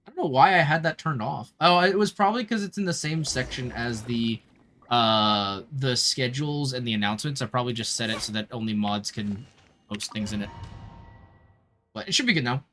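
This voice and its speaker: A woman's voice: extremely low pitch, brisk, a bit bright, slight background noise. A woman live-streaming a game, reacting and chatting casually in a slangy, exclamatory way. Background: game music.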